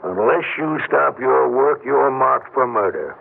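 An actor playing a menacing gangster who issues a slow, threatening warning in a 1960s radio drama, with a gravelly voice. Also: male voice, medium pitch, lively intonation, a little hiss or hum. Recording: tinny old radio broadcast.

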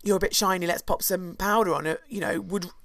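A hoarse woman, co-hosting a podcast and chattily telling a history story, with asides and restarts. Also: lowish voice, fairly even intonation, fairly quick, a bit bright. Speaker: podcast co-host. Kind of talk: casual chat, storytelling history.

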